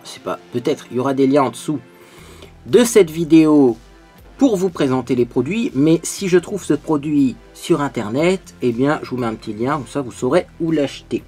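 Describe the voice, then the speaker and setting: A man's voice: a little high, slightly rough. A man vlogging as he gets ready, chatting and explaining beauty products, with many fillers along the way. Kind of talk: get-ready-with-me vlog, product demo.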